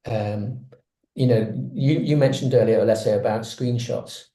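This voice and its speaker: A man's voice: mid-range voice, steady tone, normal speed, dark tone, echoey room, rough recording. A man speaking on a webinar panel, explaining ideas conversationally with examples over a video call.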